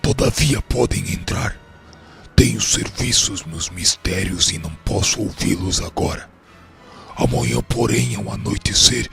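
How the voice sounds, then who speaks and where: A man acts out a stern priest spirit ruling a dark realm in a radio drama. His voice is full of gravelly creak, curt and formal, aloof and commanding, with loud music behind it. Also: lowish voice, heavily acted.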